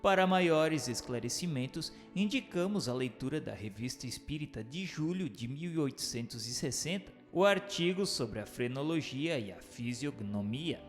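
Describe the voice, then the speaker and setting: A man's voice: mid-range voice, expressive, normal speed, hardly any pauses. A man giving a formal, declamatory scripted reading as narrator and questioner in a radio drama. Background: faint music.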